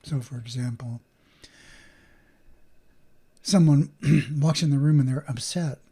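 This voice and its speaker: A man's voice: medium pitch, slow pace, dark tone, husky. A man hosting a solo podcast, talking earnestly about mindfulness and coaching listeners as he acts out both sides of conversations. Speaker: podcast host.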